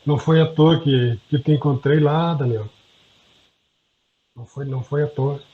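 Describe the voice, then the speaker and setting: A man's voice: a little high, steady tone, normal speed. Earnest man on dull lo-fi audio. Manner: earnest, self-deprecating. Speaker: study group participant. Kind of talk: personal reflection in group discussion.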